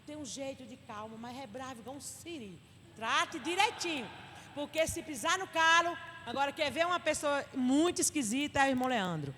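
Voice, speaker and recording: A high-pitched, middle-aged woman pastor with a Northeastern Brazilian accent teaches with animated emphasis. Her voice rings with long reverb through a church hall. A faint hiss sits underneath. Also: normal speed. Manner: animated and emphatic, acting out little dialogues. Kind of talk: church Bible study talk.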